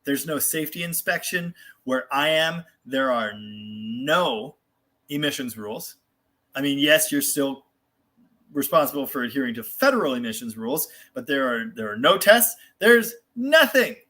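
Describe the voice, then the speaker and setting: A man's voice: mid-range voice, animated, normal speed, sharp tone. An American man hosting a casual live car show, answering viewer comments in a rambling, candid, self-deprecating way. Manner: mild swearing.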